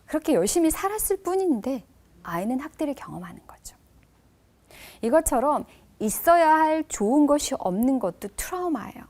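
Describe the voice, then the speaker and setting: Woman professor lecturing with lively, expressive storytelling and a high, animated voice. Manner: expressive storytelling, drops to soft emphasis.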